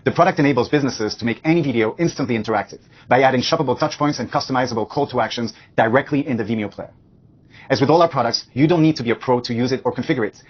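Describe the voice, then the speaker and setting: A man's voice: mid-range voice, rapid-fire, husky, dull audio. A man speaking as a company executive, reading prepared earnings call remarks in a businesslike manner.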